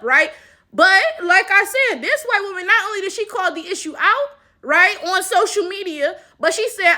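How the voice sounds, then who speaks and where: A woman's voice: very high-pitched, pushed and bright. A woman from the United States giving opinionated, casual commentary in an emphatic, slangy, sardonic manner, often punctuated with rhetorical check-in questions. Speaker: social commentary video host.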